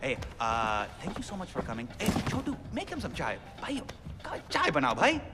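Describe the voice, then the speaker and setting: An actor playing an excitable, chatty young rebel radio DJ in a video game, with a South Asian accent and theatrical, slangy, rambling talk. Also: male voice, a little high, moderate pace. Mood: hospitable, flustered. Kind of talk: game cutscene acting with radio patter. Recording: music behind, long reverb.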